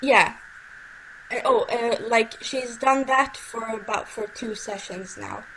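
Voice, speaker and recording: Speaking at a very slow pace with a non-native accent, the voice keeps fairly even intonation but shows big swings in loudness, with noticeable background noise behind it. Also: woman, fairly high pitch for a woman. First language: not English. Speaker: caller asking for advice. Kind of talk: video call question. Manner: halting.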